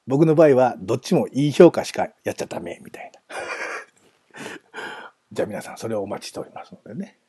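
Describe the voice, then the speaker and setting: A man's voice: medium pitch, expressive, fairly quick, pauses often, mellow, husky, no room sound. A man hosting a casual solo talk, chatty and self-amused, wandering off into asides. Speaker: podcast host.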